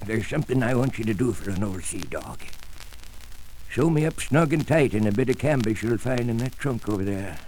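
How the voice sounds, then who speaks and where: A man's voice: mid-range voice, expressive, fairly quick, a little mellow, slight background noise, natural voice, rough recording. A man playing a salty old sea dog. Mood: weak. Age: older. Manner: salty seafaring dialect, chuckling. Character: old white-bearded sailor, hearty salty sea dog. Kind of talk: 1940s radio acting.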